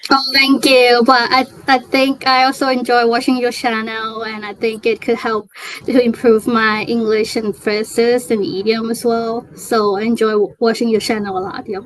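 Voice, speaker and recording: A woman's voice: on the high side, flat delivery, moderate pace, a bit bright, rough recording. A young woman from Thailand, a native Thai speaker, chatting in an interview and talking hesitantly with many fillers and restarts. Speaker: guest. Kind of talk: casual interview chat.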